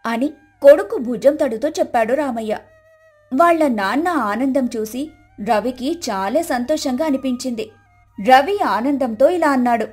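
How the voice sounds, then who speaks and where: Female storyteller, high voice, scripted moral-tale narration over music. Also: measured pace, darkish tone, slightly rough.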